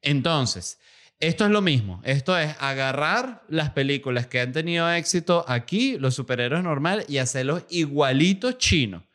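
Smooth-voiced rambling male podcast host. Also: fairly high pitch, animated, normal speed, a bit bright. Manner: rambling, with many fillers and self-corrections. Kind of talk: casual comedic monologue.

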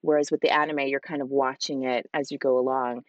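A woman voice actress chatting in an interview, enthusiastic and animated with plenty of fillers. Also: very deep voice, brisk, dry recording, lo-fi sound. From Hispanic family, father with Spanish accent. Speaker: voice actress guest. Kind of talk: casual interview answers.

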